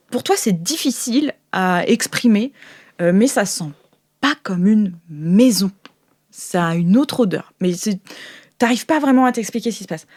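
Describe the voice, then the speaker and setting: A woman runs a tabletop role-play as game master. Her middle-pitched voice describes scenes on the fly, feeling for each word in a conversational way. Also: dark tone. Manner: descriptive, searching for words.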